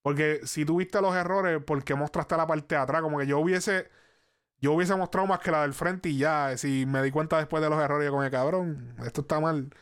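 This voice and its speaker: A man's voice: a little high, steady tone, brisk, smooth. A man hosting a casual chat, rambling and restarting his sentences, swearing casually.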